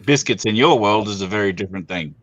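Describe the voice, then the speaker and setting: A man's voice: lowish voice, quick pace, fairly bright tone, dry recording, highs cut off. A man explaining things patiently in casual chat, with a teasing edge.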